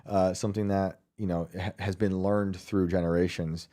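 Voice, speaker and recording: A man's voice: deep voice, little pitch movement, normal speed, dark tone. A man hosting a call-in podcast, chatting casually, thinking aloud with fillers and frequent laughs. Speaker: podcast host. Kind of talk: casual call-in show chat.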